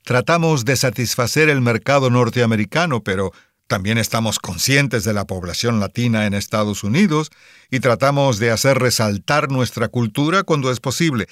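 A man from Cuba playing a toy company president answering interview questions in a sincere, measured way, in a scripted listening-exam dialogue. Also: mid-range voice, fairly bright tone, no echo, studio quality, natural voice. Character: earnest male immigrant toy company boss.

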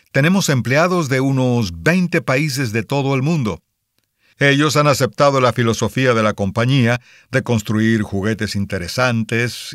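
A man's voice: mid-range voice, dry recording, clean studio sound, close to an everyday voice. A man playing a modest Cuban-born toy boss. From Cuba. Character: earnest male immigrant toy company boss. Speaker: toy company president. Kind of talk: scripted listening-exam dialogue.

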